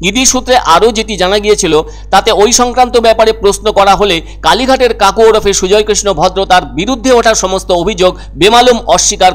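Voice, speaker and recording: Male news narrator, notably high voice, scripted report delivery. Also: fairly bright tone.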